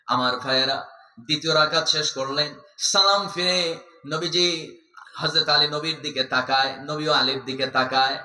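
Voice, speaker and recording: Fervent young preacher, echoey loudspeakers. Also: male voice, a little high, fairly even intonation, measured pace. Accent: Bangladeshi Bengali. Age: young adult. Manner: fervent storytelling waz delivery, swinging between loud cries and hushed tones. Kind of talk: sermon.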